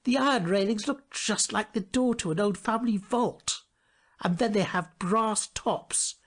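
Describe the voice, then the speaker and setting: A man's voice: high voice, unhurried, a bit bright, pitched above the performer's own voice, heavily acted. A man voicing snooty new houses as scornful, complaining neighbours in a storybook tale. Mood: indignant, scornful.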